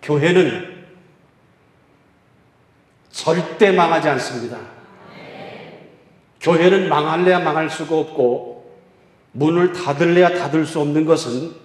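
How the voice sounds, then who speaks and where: A male pastor preaching a revival sermon and telling a story, swinging from loud exclaiming to quiet confiding. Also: on the high side. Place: church sanctuary. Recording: echoey church hall.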